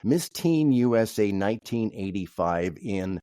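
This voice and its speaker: A man from Kansas co-hosting a podcast, telling stories in a halting way with many restarts. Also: fairly low pitch, expressive, dark tone, smooth, no room sound, clean studio sound. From Kansas, USA. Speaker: podcast co-host. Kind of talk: casual podcast chat.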